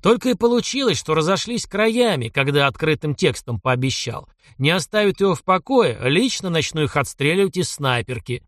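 A domineering grandfather of seventy-five, voiced by a male reader, barking blunt orders and teasing jokes. His voice swings with lively pitch and sits fairly high for a man. The recording is close and dry. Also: normal speed, few pauses, dry recording. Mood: gruff bossy. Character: gruff 75-year-old count, domineering bossy grandfather.

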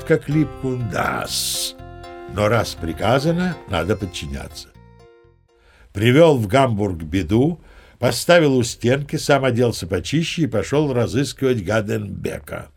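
A boastful old sea captain, confiding yarn-spinner, audio play, faint music underneath. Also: male voice, medium pitch, creaky, darkish tone. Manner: chatty, confiding, old-fashioned courtesy. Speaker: narrator.

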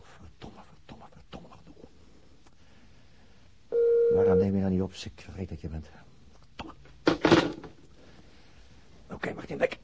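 An actor playing a brooding, stubborn police detective in a radio drama, terse and grave, with a husky voice. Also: male voice, low voice, steady tone, slow pace, long pauses, heavy background noise. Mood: muttering self-reproach. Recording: dull, muffled lo-fi audio.

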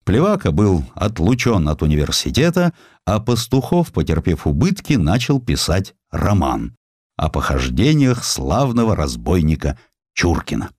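A man reading a historical sketch as an audiobook narrator, in an expressive, theatrical storytelling style. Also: low-pitched, measured pace, no echo, studio quality. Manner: theatrical, dramatic storytelling delivery.

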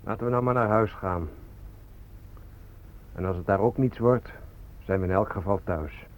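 A man's voice: lowish voice, normal speed, lightly acted. An actor playing a resigned, homesick Native American man in a radio play. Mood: weary, frustrated. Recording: dull radio play recording.

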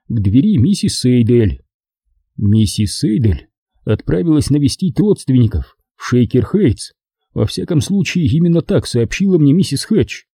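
A man narrating an audiobook in first person, measured and wry. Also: mid-range voice, creaky, dark tone, husky, no echo, studio quality.

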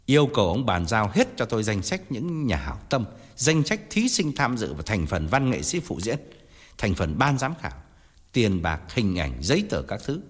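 A man's voice: mid-range voice, huge pitch swings, moderate pace, darkish tone, slightly rough, big-room sound. A man voicing an indignant, pleading middle-aged man. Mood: angry. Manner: insistent, pleading then angry.

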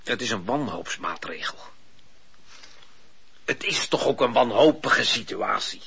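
A man playing an exasperated, desperate husband in a radio drama, halting and indignant. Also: lowish voice, animated, vocal fry, sharp tone, exaggerated voice. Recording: muffled, noisy old radio recording.

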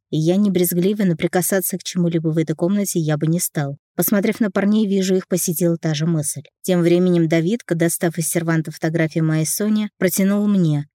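A woman reads a novel aloud in an even, steady storytelling manner. Her voice sits on the low side. The recording is close and dry. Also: dry recording. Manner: even storytelling, voicing a first-person male narrator. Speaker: audiobook reader. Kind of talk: scripted narration of a novel.

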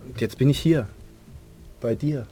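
A man's voice: mid-range voice, measured pace, warm tone, soft background music, lightly acted. A man playing a jittery runaway dentist. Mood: rambling. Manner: hesitant, rambling, defensive. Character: nervous male dentist on the run, anxious. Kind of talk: in-character roleplay.

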